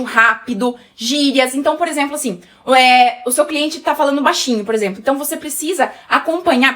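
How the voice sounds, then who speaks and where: A woman's voice: high-pitched, bright, forceful tone. A woman with a Brazilian Portuguese accent giving a casual sales lesson, chatty and full of fillers, often addressing the viewers directly. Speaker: sales trainer. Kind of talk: casual teaching talk.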